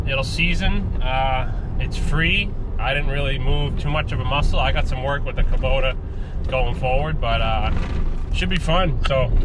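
Dry sound with no echo over loud background noise. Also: man, moderate pace. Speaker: homestead vlogger. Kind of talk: casual vlog chat. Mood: relaxed, upbeat. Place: car. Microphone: phone near.

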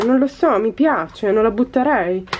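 Her intonation lively, a woman speaks. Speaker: beauty vlogger. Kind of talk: casual product review to camera. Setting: home desk by a window. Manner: animated. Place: home room.

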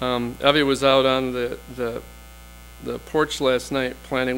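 A male speaker with light noise in the background. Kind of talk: sermon. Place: church. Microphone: podium.

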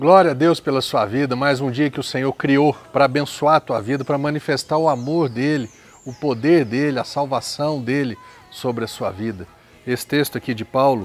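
Light background noise sits behind a man speaking at a moderate pace. His pitch varies in an ordinary way. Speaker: pastor. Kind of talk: short devotional sermon. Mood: warm, encouraging. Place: garden.

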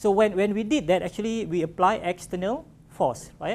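A man with a Malaysian accent and a high pitch speaks at a moderate pace with lively intonation. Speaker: university lecturer. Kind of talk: lecture. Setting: classroom with students. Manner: animated. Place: classroom.

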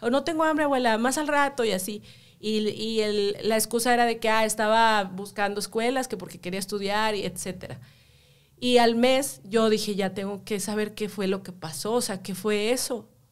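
A woman's fairly high voice shows ordinary pitch variation as she talks at a moderate pace. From Monterrey, northern Mexico; Mexico. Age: 30s. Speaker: adult content creator; podcast guest. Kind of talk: interview; interview answer. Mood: serious, personal storytelling. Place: studio. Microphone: studio mic.

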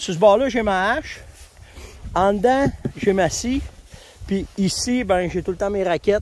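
At a fairly slow pace, a man talks in a high pitch with ordinary pitch variation, the sound dry with no echo. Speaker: outdoor show host. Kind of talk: casual vlog chat. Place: open country. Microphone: phone near.

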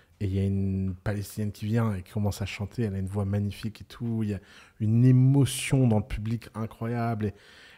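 Fairly quick pace, a dark, mellow tone and big swings in loudness. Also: man, fairly low pitch for a man. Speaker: podcast co-host and entrepreneur; podcast co-host. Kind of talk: casual chat. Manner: animated. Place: studio. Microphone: studio mic.

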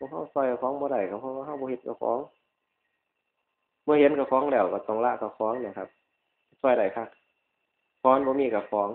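A man speaks at a medium pitch with fairly even intonation. His loudness swings widely. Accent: Isan. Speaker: Buddhist monk. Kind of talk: dharma talk.

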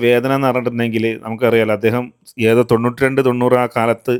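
Here a man is talking. His pitch is in the middle range. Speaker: YouTuber. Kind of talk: vlog monologue. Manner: halting.

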